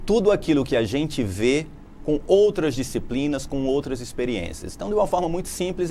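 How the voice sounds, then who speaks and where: Man being interviewed on tv, mid-pitched, talks through his ideas, bit of faint noise. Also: darkish tone. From Brazil. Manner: articulate, explanatory, laughs easily. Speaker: political scientist guest.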